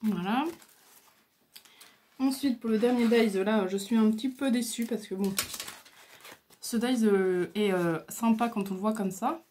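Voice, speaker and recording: This crafting video host has a slightly high, warm voice and speaks unhurriedly, pausing often as she casually shows off her craft supplies. She's hesitant and uses many fillers. The at-home camera mic recording carries a little hiss or hum.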